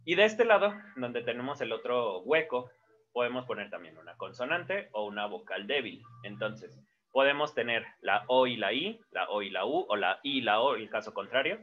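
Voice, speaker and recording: A man's voice: mid-range voice, big pitch swings, moderate pace. A man, teaching a casual lesson at a board and explaining step by step with fillers and self-corrections. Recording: dull lo-fi sound.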